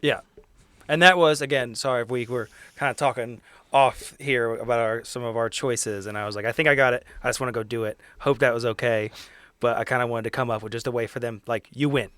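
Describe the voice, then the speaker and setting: A man playing a tabletop roleplaying game, improvising persuasive speeches in a casual, halting way. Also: mid-range voice, fairly even intonation, a bit bright, clean tone, no echo. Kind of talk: improvised in-character negotiation and table talk.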